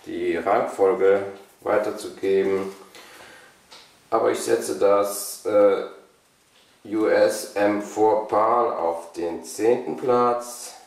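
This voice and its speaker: A man presenting a collection as a channel host, unscripted and casual, haltingly thinking aloud. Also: low-pitched, a little mellow. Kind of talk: casual product showcase, unscripted. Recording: roomy echo, distant microphone.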